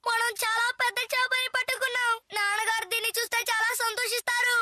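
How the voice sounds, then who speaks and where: Very high-pitched excitable cave boy. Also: fast talker. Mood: excited, proud. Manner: excitable, exclaiming. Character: eager, boastful little cave boy of the Stone Age. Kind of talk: Telugu cartoon dub. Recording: loud music under the voice.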